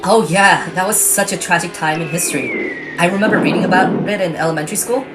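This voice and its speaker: A woman's voice: lowish voice, fast talker, over music, close to an everyday voice. A woman playing an earnest, pleading Japanese American male game show contestant in a satirical theater piece. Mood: earnest, eager. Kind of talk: satirical readers theater performance.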